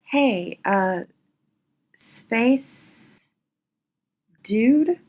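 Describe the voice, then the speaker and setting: Woman playing slow-talking, flirty dance guest. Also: a little high, expressive, darkish tone, heavily acted, poor audio. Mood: flirty, amused. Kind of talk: audio romantic comedy acting.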